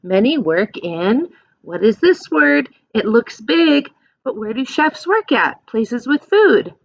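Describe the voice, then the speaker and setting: A woman doing a children's read-aloud as a teacher, explaining things in simple questions and animated, encouraging asides. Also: on the high side, slow, vocal fry, no echo, muffled recording.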